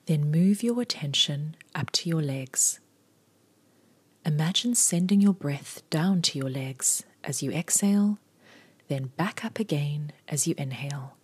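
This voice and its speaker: A woman leading a scripted guided body scan meditation in a breathy near-whisper, giving soothing, unhurried instructions in short phrases. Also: deep voice, lively intonation.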